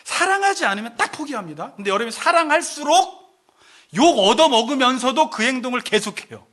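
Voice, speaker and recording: A male pastor preaching in a church with a very high, bright and sharp voice. He talks animatedly and acts out the voices he quotes. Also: lively intonation, brisk. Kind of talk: sermon. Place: church sanctuary.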